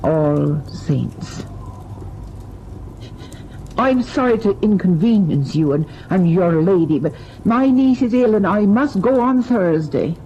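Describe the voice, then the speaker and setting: A gravelly, unhurried servant woman, deferential and uneasy. She has a mellow, guarded delivery in old radio drama style, on a dull, hissy recording. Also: medium pitch, animated. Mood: anxious, insistent.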